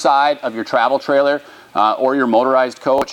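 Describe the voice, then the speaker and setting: Background noise is noticeable as a man with an American accent talks. His pitch is fairly high and his pace moderate. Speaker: RV dealership presenter. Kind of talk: live product webcast. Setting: dealership parts store. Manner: monotone.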